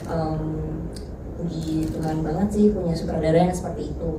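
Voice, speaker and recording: Low-voiced woman actress, earnest. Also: fairly even intonation, moderate pace. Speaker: film actress. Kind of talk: press conference answers. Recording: distant echoey room, noisy.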